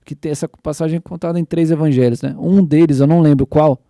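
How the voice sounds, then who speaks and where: Excited young São host. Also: male voice, fairly high pitch, fast, no room sound, studio quality. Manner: excited, retelling scripture in slangy speech. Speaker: podcast host. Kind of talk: casual church podcast chat.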